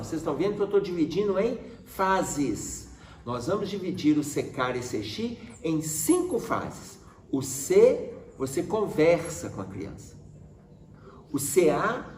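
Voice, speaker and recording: A man talks through a lesson in a lively, sweeping voice that climbs high. He keeps turning to his listeners with questions. The sound is roomy and echoing, picked up from some way off the mic. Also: slight background noise. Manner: animated, addresses listeners directly with rhetorical questions. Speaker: spiritist study presenter. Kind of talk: explanatory talk to an audience. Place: room with a presentation board. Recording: roomy echo, mic at a distance.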